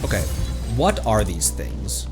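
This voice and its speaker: A man doing casual live game stream commentary, excitable, exclaiming and thinking out loud as he plays. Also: on the low side, slow pace, music in the background. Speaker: streamer, VTuber.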